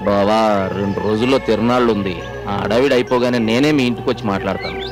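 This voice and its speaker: A man's voice: lowish voice, fairly even intonation, fast talker, music in the background, natural voice. An actor playing a doting middle-aged father who speaks fondly to his daughter in a film comedy. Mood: deferential. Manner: affectionate with his daughter, deferential to elders. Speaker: film character.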